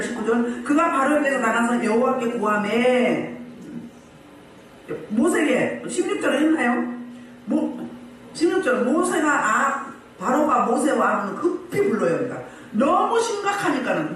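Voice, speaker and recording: Male pastor, sermon; high animated voice, emphatic, heard from a distance with faint background noise. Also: normal speed. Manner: emphatic, lively preaching with many rhetorical questions. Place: church meeting room. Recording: very echoey room, voice from afar, faint noise.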